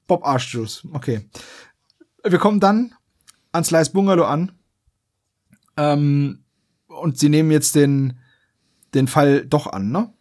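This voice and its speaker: Higher-pitched man chatting on a podcast. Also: darkish tone. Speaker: podcast host. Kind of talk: casual chat, recapping a story.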